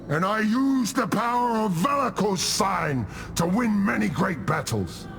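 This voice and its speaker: A man's voice: high-pitched, a bit bright, full character voice. An actor playing a boisterous, boastful tribal warrior spirit restored to his prime in a video game, with a jovial, teasing storytelling manner. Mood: proud, boastful. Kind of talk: video game character dialogue. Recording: music under the voice.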